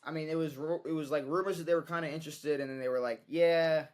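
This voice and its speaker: A man's voice: on the high side, fast. Man co-hosting a casual sports podcast. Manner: hesitant, restarts and repeats, gets excited. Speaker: podcast co-host.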